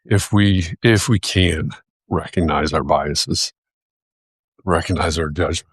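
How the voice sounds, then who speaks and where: A man's voice: low voice, slow, slightly rough, no echo. An American man hosting a live video, talking in a reflective, casual way and searching for his words as he goes. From United States.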